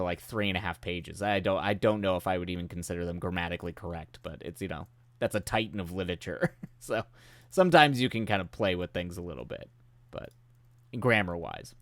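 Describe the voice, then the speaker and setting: Low-voiced man chatting as he comes down sick. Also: lively intonation, a little fast, dry recording, studio quality. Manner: rambling, self-deprecating, laughs often. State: getting sick, voice starting to go. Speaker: streamer hosting writing sprints. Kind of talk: casual chat with live chat.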